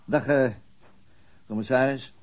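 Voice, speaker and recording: An actor playing a weary, dogged police detective who talks hesitantly in a radio drama. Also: male voice, mid-range voice, fairly even intonation, measured pace, lightly acted. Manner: hesitant, with frequent stops.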